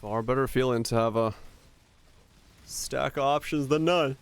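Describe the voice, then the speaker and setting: Finnish man, native Finnish speaker, streamer, laid-back chat, smooth clear voice, mid-pitched. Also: measured pace. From Finland. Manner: relaxed, answers chat questions, laughs easily. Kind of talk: casual chat with viewers while gaming.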